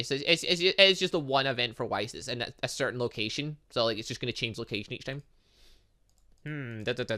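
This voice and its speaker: A person giving casual let's play commentary on a game, rambling and thinking out loud as they go. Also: medium pitch. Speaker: gaming video host.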